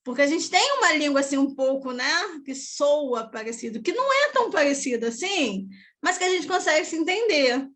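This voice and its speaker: A woman's voice: high-pitched, big pitch swings, fairly quick, fairly bright tone. A woman teacher with a Brazilian accent, talking casually about language and pronunciation and often tagging her sentences with questions. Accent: Brazilian Portuguese. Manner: chatty, often adds tag questions. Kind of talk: casual talk on language and culture.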